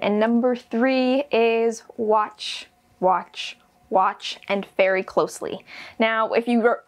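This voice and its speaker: Young woman, fairly high voice, slight vocal fry, practical teaching tone, indoor whiteboard lesson. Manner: steady, practical explaining. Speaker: shepherd teaching grazing. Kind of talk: instructional video lesson. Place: indoors in front of a wooden wall and whiteboard.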